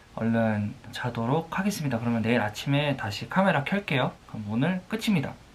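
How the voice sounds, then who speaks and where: Over noticeable background noise, a man speaks at a fairly quick pace with hardly any pauses, a medium pitch and very wide pitch swings. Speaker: vlogger, office worker. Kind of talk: vlog narration. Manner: casual, chatty.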